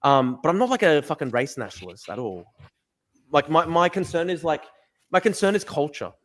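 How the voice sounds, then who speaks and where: An Australian man hosting a live-stream podcast, talking rapidly and emphatically with lots of fillers and restarts. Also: on the high side, lively intonation. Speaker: podcast host. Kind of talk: live stream chat, reading viewer comments.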